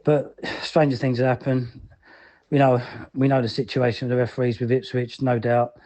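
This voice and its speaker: A man's voice: mid-range voice, level tone, normal speed, mellow. A man giving a casual, rambling match review as a fan's voicemail, in colloquial language. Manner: colloquial, rambling, frequent "you know". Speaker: fan leaving a voicemail for a podcast.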